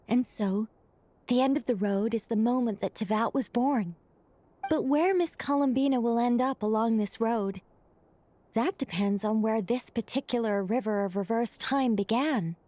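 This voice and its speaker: A woman voicing a serene, mysterious and quietly playful mage in a video game. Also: a little high, moderate pace, a little hiss or hum, natural voice.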